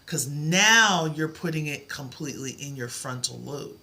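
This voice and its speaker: A woman's voice: low voice, animated, measured pace, pushed and bright. A middle-aged woman teaching a live math lesson, with a soothing voice and an encouraging, reassuring way of talking. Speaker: math tutor.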